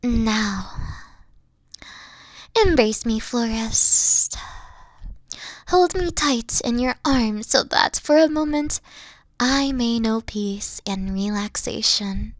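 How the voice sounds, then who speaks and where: A woman playing a haughty but secretly soft, dorky evil queen in a roleplay audio, pompous, theatrical and easily flustered. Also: a little high, lively intonation, slow, long pauses, no echo. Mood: soft, cuddly. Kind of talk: playful roleplay audio acting.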